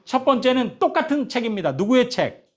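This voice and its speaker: Man, 50s, pastor, church lecture, playful questions to the audience, high voice. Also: fairly quick. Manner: animated, asks the audience questions and jokes with them. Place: church hall.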